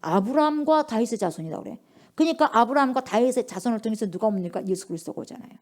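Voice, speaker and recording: A middle-aged woman pastor preaching a lively sermon, asking the congregation questions and acting out little dialogues. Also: a little high, rapid-fire. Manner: lively call-and-response preaching, acts out dialogue.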